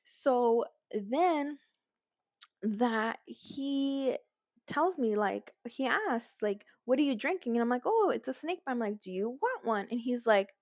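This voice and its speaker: A woman's voice: fairly high pitch, takes it slowly, no room sound, highs cut off. A young woman with a Los Angeles Latina accent, telling a casual storytime and acting out quotes with lots of fillers. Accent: Los Angeles Latina, mixes in Spanish. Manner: animated, acts out quotes, frequent fillers. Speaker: vlogger.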